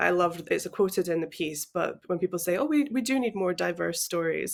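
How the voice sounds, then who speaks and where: A woman with a Scottish accent talks at a fairly quick pace. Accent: Scottish lilt. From Scotland. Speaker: children's novelist. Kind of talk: reading aloud; casual chat. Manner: halting.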